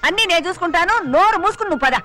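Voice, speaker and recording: A woman's voice: very high-pitched, expressive, very fast, bright, forceful tone, faint music behind, heavily acted. A stern, commanding middle-aged mother. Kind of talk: film acting.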